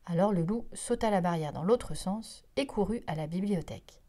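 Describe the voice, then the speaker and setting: A woman reading a children's picture book aloud, telling it in an expressive, lively way. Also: medium pitch. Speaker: storyteller. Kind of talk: children's story read-aloud.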